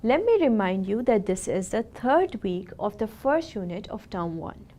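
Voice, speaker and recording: Female teacher, scripted lesson, careful deliberate delivery. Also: mid-range voice, sing-song, warm tone. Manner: slow, careful, sounding out words.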